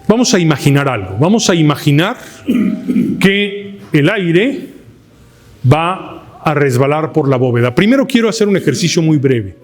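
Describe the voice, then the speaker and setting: A man with a Mexican Spanish accent teaching an oratory workshop in a lecture hall, asking the class questions and shouting words to show his technique. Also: on the high side, moderate pace, pauses often. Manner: lively, asks the class questions, shouts demonstrations. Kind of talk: live workshop lecture to a room. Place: lecture hall with fabric ceiling.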